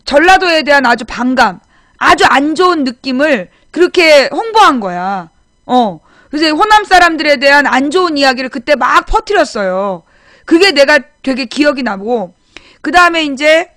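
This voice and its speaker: A woman's voice: sits high, a bit bright, no echo, clean studio sound. A woman in her forties hosting a live political chat show, recalling her childhood in a rambling, chatty way with frequent restarts. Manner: chatty storytelling with frequent restarts, reads viewer names aloud. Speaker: political talk show host. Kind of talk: casual live-stream chat.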